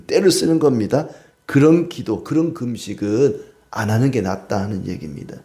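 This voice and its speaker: A male pastor giving an expository sermon in a conversational way, often pausing to check in with listeners. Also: medium pitch, dark tone. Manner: conversational preaching with frequent rhetorical checks.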